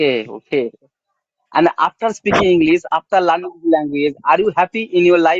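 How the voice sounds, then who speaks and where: The speaker talks at a moderate pace with a Bengali accent. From India, West Bengal. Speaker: English conversation partner. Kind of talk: conversation practice.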